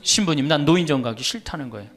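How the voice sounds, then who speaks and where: A man's voice: fairly high pitch, animated, fast talker, fairly bright tone. A middle-aged man, a Catholic priest, giving a humorous lecture and telling stories to an audience. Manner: storytelling, quoting others, teasing the audience.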